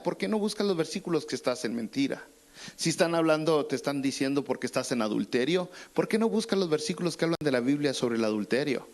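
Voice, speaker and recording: A pastor preaching a sermon, casual and conversational, with colloquial asides. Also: male voice, mid-range voice. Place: church.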